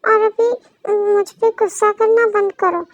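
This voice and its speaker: A woman's voice: very high voice, steady tone, unhurried, dry recording, highs cut off. A woman voicing a sulky young wife who pouts and pleads with her husband in an audio story. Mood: pouting. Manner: pouting, pleading. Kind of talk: audio story read-aloud.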